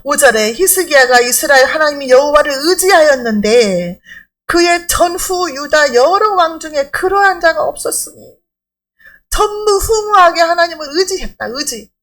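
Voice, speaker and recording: A woman's voice: high-pitched, animated, moderate pace, a bit bright. A middle-aged woman pastor preaching a sermon in an emphatic, conversational way, asking rhetorical questions.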